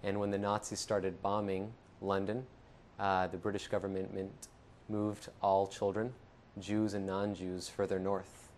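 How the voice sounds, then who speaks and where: A young man from Ecuador telling his family's story and his own to camera in a studio, earnest and steady with some fillers. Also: low voice, a little hiss or hum. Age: young adult. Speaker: founder of an anti-genocide network. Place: studio with dark backdrop.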